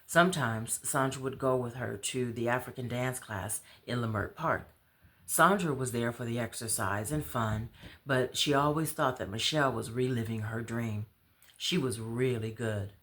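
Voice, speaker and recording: A woman's voice: a bass voice, moderate pace, fairly bright tone. Female author-storyteller, narrative read-aloud of a novel. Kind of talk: expressive read-aloud of fiction.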